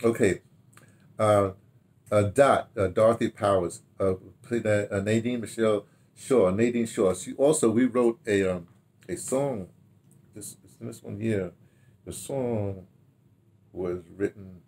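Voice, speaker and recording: An older American man speaks in a fairly low voice. He reminisces informally to camera, rambling and halting, often repeating a word before moving on. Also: a little mellow. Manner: rambling, halting delivery, repeating words, checking notes aloud. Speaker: radio drama producer recalling past productions. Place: small book-lined room at home, indoors.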